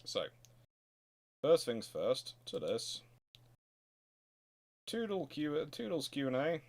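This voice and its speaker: A man's voice: a little high, very animated, slow pace, gravelly, a little mellow. Rambling man, informal history host. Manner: rambling, discursive, restarts sentences. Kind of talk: informal livestream question-and-answer.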